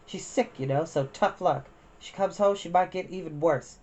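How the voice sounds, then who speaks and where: Distraught schoolgirl for a storybook, reader's put-on voice: higher, sharp, yelling. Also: normal speed, natural voice. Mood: angry. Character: upset older sister, a girl, fierce and frantic. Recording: slightly dull lo-fi recording.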